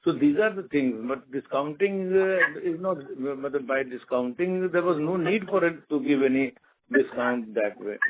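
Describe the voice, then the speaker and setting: A man's voice: on the high side, expressive, moderate pace, background noise. A man, a company executive answering analysts on an earnings call, hesitating often with fillers and restarts. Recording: tinny phone line.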